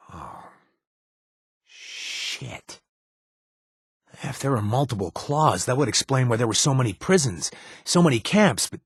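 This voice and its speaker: An actor voicing a chatty, self-deprecating young ex-raider bartender in a video game, with a husky voice. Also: male voice, on the low side, fairly bright tone, dry recording, studio quality, heavily acted. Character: wisecracking male ex-raider turned bartender. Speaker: companion character.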